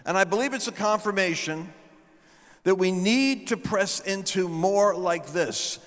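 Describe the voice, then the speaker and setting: A middle-aged man telling stories from a stage, preaching into a handheld mic and building up to shouted proclamations. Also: high-pitched, a little slow. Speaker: guest speaker. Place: large event hall stage. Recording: long hall reverb.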